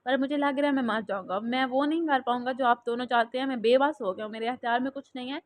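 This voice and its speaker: Lady reading as a scared young guy, tearful, soft and pleading, a bit high. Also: fast talker, natural voice. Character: troubled young man, tearful and afraid.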